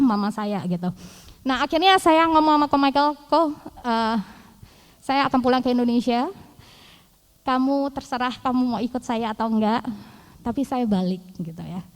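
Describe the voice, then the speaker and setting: A woman's voice: fairly high pitch, darkish tone, in a large hall, rough recording. A woman preaching a testimony sermon in a casual storytelling way, acting out the dialogue she recounts. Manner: conversational storytelling, acts out quoted dialogue. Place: church hall.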